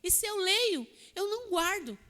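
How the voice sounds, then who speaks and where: High, bright-voiced woman preaching. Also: sing-song, normal speed. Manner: earnest preaching, asks the congregation "Amém?". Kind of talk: sermon. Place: church hall. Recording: long church-hall reverb.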